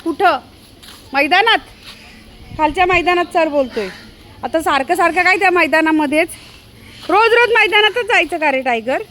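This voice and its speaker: A woman's voice: very high voice, lively intonation, normal speed, pauses often, a bit bright. A woman, chatting casually and coaxing her dog while out walking. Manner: coaxing, scolding the dog playfully. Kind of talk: casual chat with pets and neighbors. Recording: noisy outdoor ambience.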